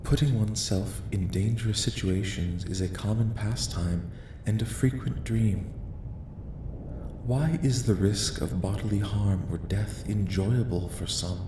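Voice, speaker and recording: A man voicing a calm, curious, clinical alien researcher in a soft-spoken ASMR roleplay, with measured, formal, detached questioning. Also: on the low side, close to an everyday voice. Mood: detached curiosity. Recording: roomy echo, light background noise.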